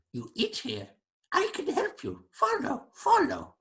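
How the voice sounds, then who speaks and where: A put-on character voice pitched high delivers its lines at a fairly slow pace. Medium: actual play. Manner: broken grammar, eager.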